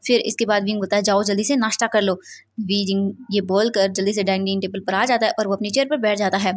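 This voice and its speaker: A woman's voice: mid-range voice, steady tone, fast. Woman casually narrating a fan-fiction story. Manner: casual, mixes in English words.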